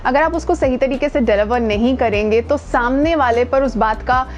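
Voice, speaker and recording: At a moderate pace and in a voice on the high side, an Indian woman acts as voice coach and video host, giving a casual lesson to camera outdoors near her home. She speaks conversationally and with emphasis, mixing English words into her speech.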